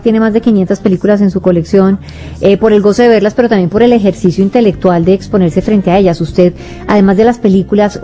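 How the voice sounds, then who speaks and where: A woman's voice: mid-range voice, dark tone. A woman with a Colombian accent hosting a radio interview, asking probing questions in formal address.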